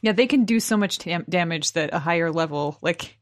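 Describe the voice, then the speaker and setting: Woman at a tabletop game, lowish voice, practical, dry close mic. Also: fairly quick, no room sound. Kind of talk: casual tabletop game chat.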